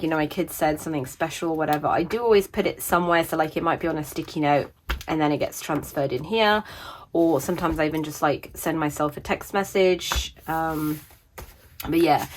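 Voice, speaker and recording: Chatty woman with a slightly raspy voice. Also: on the low side, slight background noise. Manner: chatty and meandering, many fillers. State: slightly raspy, sore throat coming on. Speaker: planner vlogger. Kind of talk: casual chat.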